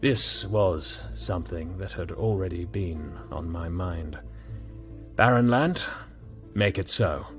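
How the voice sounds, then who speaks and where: A man narrator voicing a stern, jealous king who speaks quietly and menacingly. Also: low-pitched, takes it slowly, soft background music. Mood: cold.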